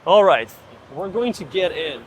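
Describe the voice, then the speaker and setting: A man from Ukraine, chatting casually and explaining things slowly while he walks outdoors, laughing often. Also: sits high, animated, a little hiss or hum. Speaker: vlogger and English tutor. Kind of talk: casual chat while walking. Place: outdoors in a city street.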